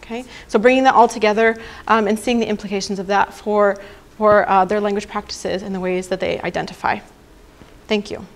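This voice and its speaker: A woman's voice: medium pitch, fairly even intonation, a little fast. A young woman presenting research at a conference, explaining slides and checking in with "right?" and "okay?". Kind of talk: academic conference talk. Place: presentation room.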